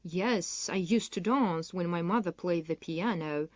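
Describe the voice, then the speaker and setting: A woman playing a dancer interviewed for a magazine in a scripted listening-exam dialogue, speaking in a clear, measured way. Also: lowish voice, a little mellow, no echo, dull audio, lightly acted. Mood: polite. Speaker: interviewee in a textbook listening recording.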